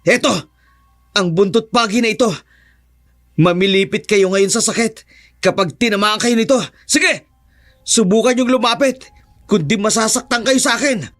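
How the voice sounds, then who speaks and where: A man's voice: sits high, moderate pace, long pauses, faint music behind, voice pushed up. A man with a Filipino accent voicing a brave young male student who confronts aswang in a horror story. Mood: defiant. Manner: tense, urgent, shouting.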